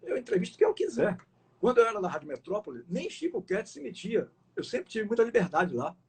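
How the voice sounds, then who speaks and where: A man's voice: high voice, very animated, a little fast, a little mellow, slightly rough. A middle-aged man hosting a casual live interview, rambling with fillers and restarts and turning indignant at times. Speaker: host of a live sports interview.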